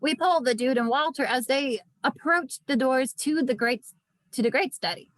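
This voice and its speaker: A woman's voice: high voice, moderate pace, dry recording. A woman narrating screenplay stage directions in a virtual table read.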